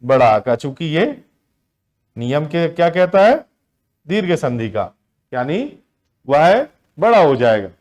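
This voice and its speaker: A man with a slightly high voice teaches a grammar lesson for exam prep. He keeps putting a question to his students and answering it himself, stretching out the key words as he goes. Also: big pitch swings, darkish tone, dull audio. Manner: asks the class questions and answers them himself, drawn-out words.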